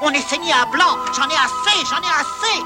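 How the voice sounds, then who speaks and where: A man's voice: very high voice, lively intonation, brisk, over loud music. A man playing a possessive, alarmed oil-rich potentate in a film comedy, with melodramatic indignation.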